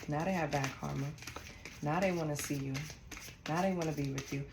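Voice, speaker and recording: A woman from Costa Rica talks straight to her viewers through a tarot reading, blunt and chatty and swearing freely. Her voice sits low with a gravelly, fried edge. The sound bounces around an echoey room, with steady noise underneath. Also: fairly quick. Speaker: tarot reader. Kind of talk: casual tarot reading to camera.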